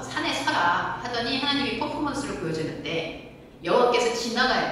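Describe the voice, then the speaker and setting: A woman's voice: mid-range voice, a bit bright. A woman pastor preaching a sermon, telling the story with animation and asking the congregation questions. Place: church sanctuary. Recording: echoey hall from far off, faint room noise.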